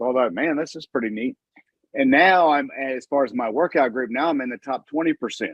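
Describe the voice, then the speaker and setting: A man with a plain, everyday voice speaks at a fairly quick pace. His pitch varies in an ordinary way. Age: 60s. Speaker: network marketing distributor. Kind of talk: testimony.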